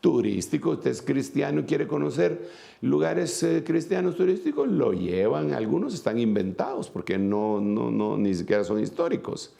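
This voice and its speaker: A man's voice: mid-range voice, sing-song, moderate pace, gravelly, mellow. A man preaching a sermon, reading scripture aloud and then explaining it at a whiteboard with many fillers and asides.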